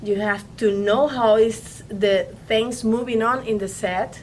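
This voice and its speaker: A woman's voice: a little high, fairly even intonation, slight background noise. A woman from Venezuela who speaks Spanish as her first language talks about her work as a film producer in a casual interview, stopping and restarting often. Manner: halting English with many restarts and repeated words. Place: studio.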